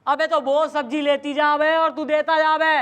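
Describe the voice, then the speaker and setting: An actress playing a bossy, blunt female police station chief with a Haryanvi accent, talking loudly in rustic slang in a TV sitcom. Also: high-pitched, level tone, normal speed, faint music behind. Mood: brash. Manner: loud, blunt, rustic slang mixed with English. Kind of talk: sitcom acting.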